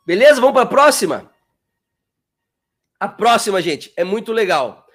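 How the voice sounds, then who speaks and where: A man teaching English on a live stream, chatty and coaxing, repeating words slowly to model pronunciation and calling out viewers' names. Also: sits high, big pitch swings, fairly bright tone.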